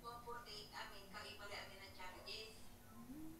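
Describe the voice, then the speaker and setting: A woman in casual conversation, talking in a halting way as if thinking aloud, recorded at a distance in a reverberant room. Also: medium pitch, fairly even intonation, noisy background. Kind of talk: casual chat about loan payments and charges.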